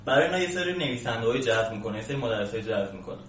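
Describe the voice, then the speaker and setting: A man's voice: medium pitch, animated, fairly bright tone. A man giving casual, explanatory answers as an interview guest. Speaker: programming instructor, interview guest. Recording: echoey distant mic, muffled, faint hiss.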